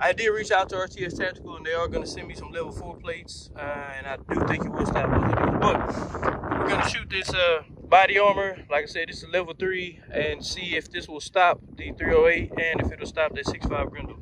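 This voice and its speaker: Over loud background noise, a man speaks at a moderate pace with hardly any pauses in a dry sound with no echo. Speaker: range video host. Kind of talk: casual commentary. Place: open country. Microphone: phone near.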